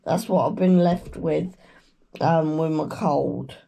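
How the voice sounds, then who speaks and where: A woman with a British accent, croaky from a cold, giving a slow, meandering tarot reading with murmured chants. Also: sits low, dark tone. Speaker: tarot reader. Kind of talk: casual tarot reading chat.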